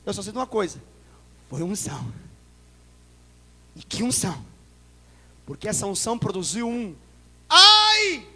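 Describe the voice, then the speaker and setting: A man with a Brazilian Portuguese accent preaching a sermon as a pastor, dramatic and joking with the congregation, breaking into loud cries. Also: high voice, lively intonation, moderate pace, long pauses, breathy edge. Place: church sanctuary. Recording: long church hall reverb.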